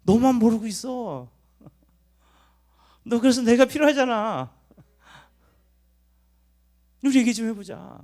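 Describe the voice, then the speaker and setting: A man's voice: very high voice, moderate pace, a little mellow, voice pushed up. A male pastor voicing God as an amused, teasing deity who chides playfully. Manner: playful, chiding, laughing.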